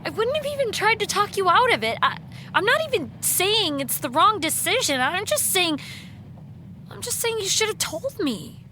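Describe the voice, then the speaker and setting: A woman's voice: extremely high pitch, very animated, pushed and bright, slight background noise, heavily acted. A woman playing an exasperated, anxious campaign staffer who sounds hurt and agitated, in a naturalistic audio drama. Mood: hurt, dismayed. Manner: agitated, sarcastic, halting and repeating herself.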